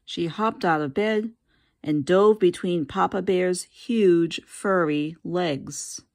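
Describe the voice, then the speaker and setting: Low-voiced woman reading a storybook aloud. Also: slow pace. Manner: expressive reading.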